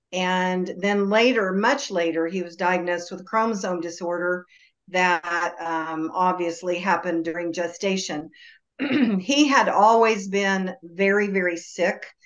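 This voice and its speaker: A woman speaks at a fairly slow pace and a medium pitch. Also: ordinary pitch variation. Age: 60s. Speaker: panelist sharing testimony. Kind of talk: testimony. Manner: halting.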